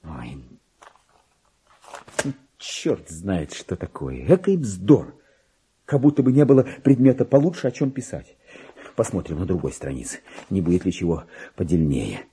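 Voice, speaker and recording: Very husky, muttering, unhinged clerk. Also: male voice, sits low, big pitch swings, a little slow, long pauses, mellow, full character voice. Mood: scornful, impatient. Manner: muttering, brooding, abrupt exclamations. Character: agitated, self-important lowly clerk sliding into madness. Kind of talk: theatrical radio monologue.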